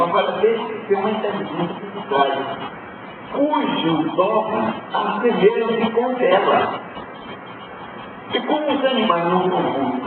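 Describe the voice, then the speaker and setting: A man's voice: sits high, heavy background noise. A man teaching a class, talking in a provocative, emphatic way and throwing rhetorical questions at his students. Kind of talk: spiritual lecture to a class. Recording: distant, phone-like, echoey hall recording with loud ambience.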